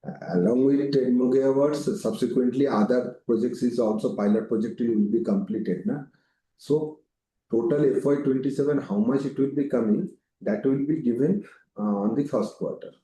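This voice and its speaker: A man's voice: mid-range voice, normal speed, mellow. A man with an Indian accent answering as a company executive on a business call, emphatic and repetitive. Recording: echoey room, faint background noise.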